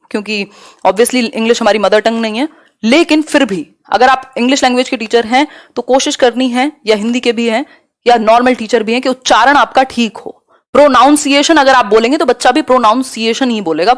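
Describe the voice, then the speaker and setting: A young woman teaching an exam-prep lecture, explaining terms patiently and often checking that listeners follow. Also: fairly high pitch. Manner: spells out and repeats key terms.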